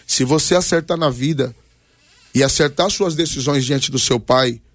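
A man's voice: medium pitch, moderate pace, no echo. A Brazilian man in his forties, a pastor giving personal testimony and exhortation on a talk programme in short, emphatic, preacherly phrases. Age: 40s. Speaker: pastor, guest on a radio debate.

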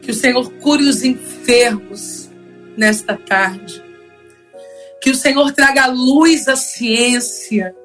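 A woman pastor leads a fervent spoken prayer in a radio studio, her voice sitting high. Faint music plays beneath her words. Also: a bit bright. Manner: fervent, rising prayer cadence.

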